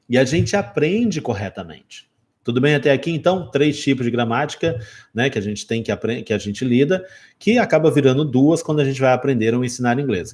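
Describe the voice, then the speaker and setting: A Brazilian man in his forties explaining grammar in a live online English lesson. His pitch rises and falls in wide, animated swings as he teaches. He stops often to ask his viewers whether they are following. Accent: Brazilian Portuguese.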